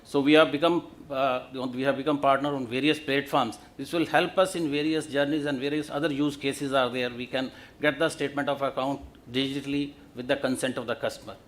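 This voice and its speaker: A man with an Indian accent giving a formal business presentation as a bank executive, in a halting, list-like delivery. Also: mid-range voice, fairly even intonation, fairly bright tone.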